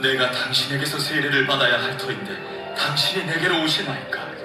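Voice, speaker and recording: A man's voice: medium pitch, brisk, lightly acted. An actor playing John the Baptist, a fervent male prophet, declaiming solemn scripture in a dramatized audio Bible. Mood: humble. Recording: echoey, played from far off through speakers. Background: loud music.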